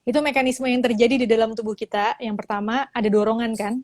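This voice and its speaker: A woman teaches public speaking in an easy, chatty way, acting out examples as she goes. Her voice sits a touch high, and the phone mic gives it a close, dry sound with no room around it. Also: steady tone, fast talker, darkish tone, dry recording. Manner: explanatory, acts out examples with varied intonation. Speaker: public speaking lecturer, guest. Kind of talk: casual instructional chat on a live stream. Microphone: live-stream phone mic.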